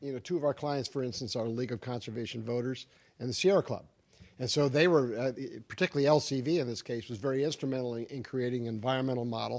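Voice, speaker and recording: A man with an American accent speaks at a very fast pace in a medium-pitched voice. His pitch varies in an ordinary way, and the recording is very clean with a silent background. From Indiana. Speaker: political data consultant. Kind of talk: conference talk with Q&A.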